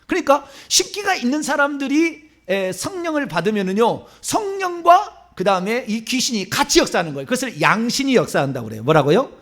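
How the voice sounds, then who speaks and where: A man's voice: extremely high pitch, big pitch swings, fairly quick, few pauses, a bit bright. A man in his fifties from Seoul, a pastor preaching a sermon in church, asking the congregation rhetorical questions and chuckling in asides. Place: church sanctuary.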